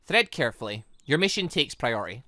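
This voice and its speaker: A man's voice: mid-range voice, big pitch swings, quick pace, sharp tone, dry recording, pitched below the performer's own voice. Man voicing a terse, cold sorceress. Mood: cold, commanding. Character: cold, commanding female dark sorceress.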